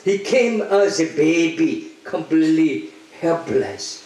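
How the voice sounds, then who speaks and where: An older man preaches in short, deliberate bursts and pauses often. His voice sits a little high for a man. A very echoey church carries every line. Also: animated, darkish tone. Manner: slow, emphatic preaching, pausing for the interpreter. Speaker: priest. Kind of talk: homily with interpretation. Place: large church, at a lectern. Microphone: lectern microphone.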